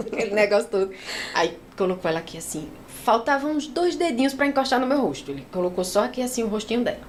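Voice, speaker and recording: A woman from Brazil telling an emotional personal testimony as an interview guest, acting out what others said in lively voices. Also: fairly high pitch, quick pace, a little hiss or hum. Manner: animated storytelling, acting out other people's lines.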